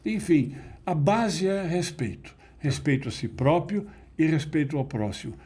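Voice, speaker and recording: Husky middle-aged guy explaining stuff slow and clear, teacher vibe, lands hard on the key words. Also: fairly high pitch, animated, mellow. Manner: didactic, emphatic, measured. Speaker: interview guest, NLP teacher. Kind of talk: conversational explanation.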